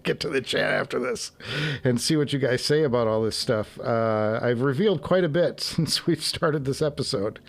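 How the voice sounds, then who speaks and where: A man's voice: mid-range voice, gravelly. A man hosting a casual live stream, muttering to himself and chuckling as he assembles headphones. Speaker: livestream host. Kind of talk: casual live-stream chat while working. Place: home garage studio.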